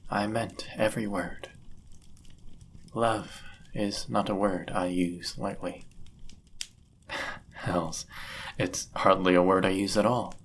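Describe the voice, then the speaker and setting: Man voicing a deep, gravelly, devoted demon lover. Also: steady tone, slight background noise. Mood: earnest, devoted. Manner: formal, old-fashioned wording, deliberate. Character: powerful male demon, devoted, jealous lover bound to a sorcerer. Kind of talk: intimate scripted audio roleplay.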